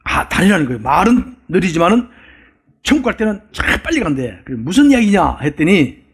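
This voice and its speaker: Korean pastor guy preaching, bit high, lively ups and downs, jokey storytelling. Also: fairly quick, slightly rough. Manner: folksy storytelling with jokes and questions to the congregation. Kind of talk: sermon. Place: church sanctuary.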